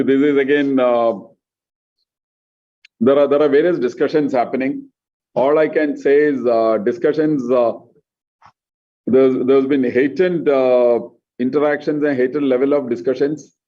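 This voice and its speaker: A man, a company executive answering questions on an earnings conference call in a measured, halting way that repeats words. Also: medium pitch, fairly even intonation. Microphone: conference call line. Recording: dull conference-call audio, distant.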